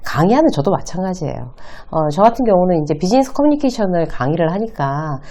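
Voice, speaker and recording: A woman's voice: fairly low pitch, very animated, fast, dark tone. A middle-aged woman lecturing on workplace communication, acting out short example dialogues in a raised voice. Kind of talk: talking-head lecture on speaking habits.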